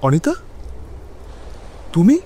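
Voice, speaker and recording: An actor playing an anxious husband who narrates a horror audio drama in a brooding, dramatic way with halting phrases. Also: male voice, dark tone. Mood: concerned, surprised. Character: anxious husband narrating his haunted stormy night.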